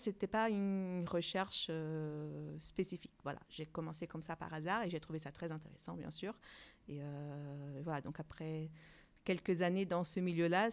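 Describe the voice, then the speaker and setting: A woman who directs a bilingual preschool answers interview questions, pausing often with fillers and restarts. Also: deep voice. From outside Europe. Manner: hesitant, many fillers and restarts.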